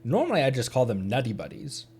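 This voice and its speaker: A man's voice: mid-range voice, wildly swooping pitch, fast, a little mellow. A man streaming a game, giving casual, playful, rambling commentary. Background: game music.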